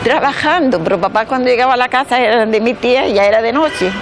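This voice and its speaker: Noticeable background noise sits behind a woman speaking at a fairly quick pace and high pitch with ordinary pitch variation. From Canary Islands, Las Palmas de Gran Canaria. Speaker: emigrant interviewee. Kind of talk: interview.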